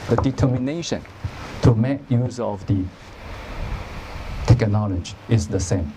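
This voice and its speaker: Slow, low-voiced man giving a halting speech. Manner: slow, halting, repeats phrases, laughs at own slips. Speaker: diplomat speaking at a launch event. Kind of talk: formal ceremony speech with asides. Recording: noisy event audio with ambience.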